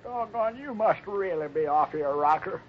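Very high, excitable cowboy sidekick. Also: male voice, moderate pace. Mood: complaining. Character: folksy tall-tale-telling cowboy, excitable comic sidekick. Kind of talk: 1950s radio western comedy acting. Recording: muffled, noisy 1950s radio recording.

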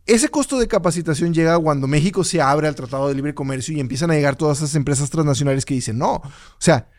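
A man's voice: a little high, quick pace. A man with a Mexican accent, co-hosting a casual advice podcast and explaining his points through acted-out workplace scenarios. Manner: animated, acts out workplace scenarios. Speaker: podcast co-host.

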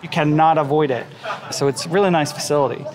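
A man's voice: fairly high pitch, fast. Chatty male candidate amid a crowd. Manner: friendly, chatty. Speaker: political candidate. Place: outdoors at a lively campaign party. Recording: field recording with a crowd behind.

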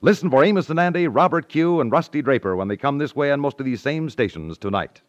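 Animated American 1950s radio announcer, male. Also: mid-range voice, quick pace. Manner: polished, upbeat salesmanship. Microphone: dry studio announcer mic. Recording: dull vintage 1950s radio recording.

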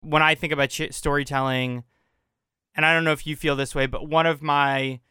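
Guy w bright crisp voice, kinda high, says like a lot, dry close sound. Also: level tone, a little fast, no room sound. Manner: reflective, filler-heavy "like". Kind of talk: casual conversation.

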